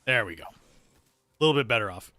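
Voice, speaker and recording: A man's voice: medium pitch, lively intonation, moderate pace, pushed and bright, dry recording, studio quality, soft background music. A man giving casual, sweary live gameplay commentary and chatting with viewers in a sardonic, self-deprecating way. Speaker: game streamer, host.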